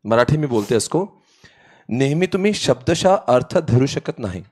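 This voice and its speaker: A man's voice: medium pitch, big pitch swings, normal speed, darkish tone, breathy edge. A young man teaching law in a classroom lecture, playful and acting out quoted exchanges, mixing into his Hindi.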